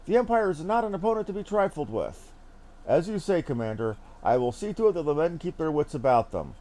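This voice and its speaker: A man's voice: a little high, very animated, fairly quick, warm tone. A man voicing a solemn, dutiful soldier captain from a fantasy game, speaking formally and with emphasis. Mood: grave, resolute. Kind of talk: reading fantasy game dialogue aloud in character.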